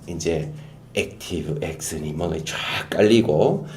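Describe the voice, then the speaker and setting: A middle-aged man, a guest expert, explaining in an animated way on a talk show, with quiet asides and emphatic bursts. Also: low-pitched, slow.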